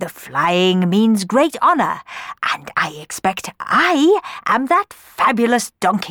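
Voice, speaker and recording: This is a put-on character voice with very wide pitch swings. The sound is dry and close, with no echo. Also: woman. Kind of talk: storybook read-aloud. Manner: pompous, self-important.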